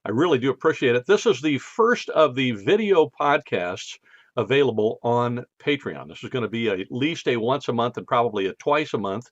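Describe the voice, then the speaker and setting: Animated and at a moderate pace, this American podcast host talks in a relaxed monologue, though a numb left side of his face after dental work slurs his speech slightly. His voice is mid-range, and the dry recording sounds dull.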